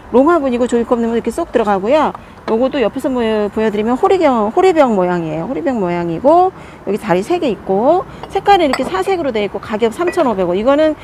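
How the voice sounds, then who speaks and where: A woman chatting through a product demonstration as an online seller of plant pots, friendly and talkative with soft laughs. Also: a little high, slight background noise. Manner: chatty, friendly sales talk, often laughing softly.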